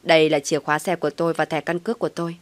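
A woman voicing a calm, kind young man. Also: low voice, rapid-fire, no room sound, lightly acted. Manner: calm reassuring, a little teasing.

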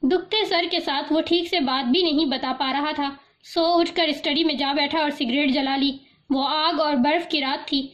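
A woman narrating a novel in a steady, expressive storytelling manner, reading the narration between the characters' lines. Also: high voice, hardly any pauses. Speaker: audiobook narrator.

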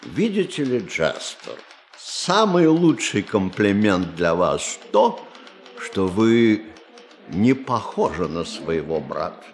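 A man acting in a radio play as a courteous, gently ironic banker, speaking in a polite, hesitant and deliberate way. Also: fairly low pitch, sing-song, slight background noise, heavily acted.

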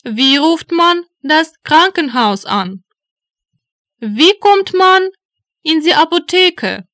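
A woman reading German phrases slowly and deliberately for learners, repeating each one. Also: extremely high pitch, lively intonation, a bit bright, dry recording, clean studio sound. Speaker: German language teacher voice. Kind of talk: slow phrase drills for learners.

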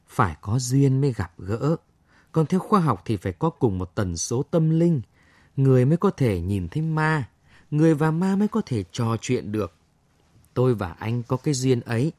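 A man's voice: medium pitch, dry recording, natural voice. A man voicing a sorrowful young woman's ghost. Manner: gentle, pleading, mournful. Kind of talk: audiobook story reading.

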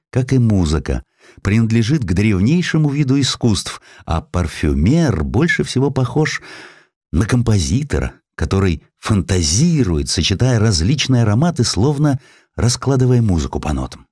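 Male audiobook narrator, deep and lively, voices the dialogue, studio-dry. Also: normal speed, breathy edge, no echo. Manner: expressive reading, voices characters in quoted lines. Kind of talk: audiobook narration of a historical essay with acted dialogue.

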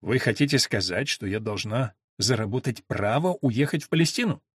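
A man voicing Elena, a sharp, ironic woman who answers with dry skepticism. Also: medium pitch, lively intonation, moderate pace, breathy edge, dry recording, voice pushed down. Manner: wry, skeptical questions.

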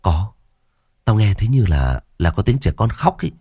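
A man's voice: lowish voice, sing-song, normal speed, dark tone, slightly rough, no room sound, clean studio sound, heavily acted. A man voicing a frightened young man on night patrol, stammering with fear in a ghost story. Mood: scared.

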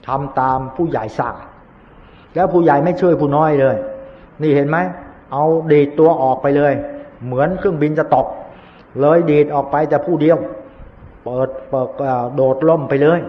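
An older Buddhist monk giving a sermon, telling a story in an earnest, admonishing way. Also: male voice, a little high. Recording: dull lo-fi recording in a long-reverb hall.

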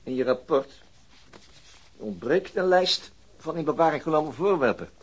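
An actor playing a weary, persistent police detective in a radio drama, terse and probing. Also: male voice, on the high side, animated, moderate pace, husky. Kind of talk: Dutch radio drama acting.

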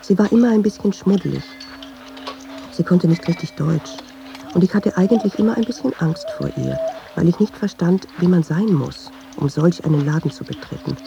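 A woman's voice: lowish voice, moderate pace, vocal fry, over music. An actress playing a brooding, wry Jewish woman who muses in short, self-doubting sentences in a literary radio play. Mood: reflective, uneasy. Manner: reflective, short clipped sentences, musing. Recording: dull sound, faint noise.

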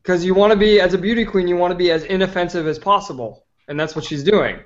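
A man's voice: sits high, fast. A man talking as a guest on a casual podcast, opinionated and long-winded, full of "like"s. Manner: opinionated, talks at length with many "like"s. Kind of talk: casual chat. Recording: slightly dull lo-fi audio.

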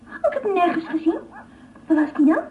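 A whimsical little girl prattles naively in a radio play. Her voice is high and childlike, full of curiosity. The recording is old, muffled and narrow. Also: big pitch swings, fairly quick. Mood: sleepy, anxious. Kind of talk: Dutch radio play acting.

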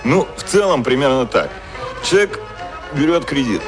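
An actor playing a brash, cynical advertising man in a radio play, explaining things in slangy, colloquial bursts with halting pauses. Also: mid-range voice, very animated, close to an everyday voice. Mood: wry, explanatory. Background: music.

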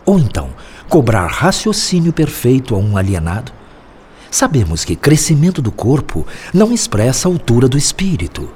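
A man playing a wise, compassionate spirit mentor who reasons patiently and persuasively, in the measured sermonizing style of a radio drama. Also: mid-range voice, very animated, darkish tone, a little hiss or hum, close to an everyday voice. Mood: patient reasoning.

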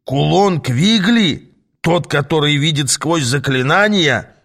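A man voicing a gruff, bossy, short-tempered demon mentor in an audiobook, barking his lines. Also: a little high, lively intonation, slow, fairly bright tone, voice pushed up, exaggerated voice. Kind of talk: audiobook reading.

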